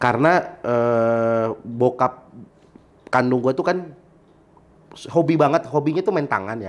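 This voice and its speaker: A man speaks at a very slow pace, stopping for long, frequent pauses. His pitch varies in an ordinary way. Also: medium pitch for a man. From Makassar, Indonesia, then Jakarta. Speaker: stand-up comedian. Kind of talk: casual interview chat.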